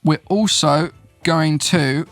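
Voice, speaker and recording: A man's voice: on the high side, takes it slowly, a bit bright, no echo, faint music behind. A young man hosting his own channel, chatting casually and upbeat as he explains recording gear step by step. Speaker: YouTube host, videographer and podcast producer. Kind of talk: casual gear tutorial to camera.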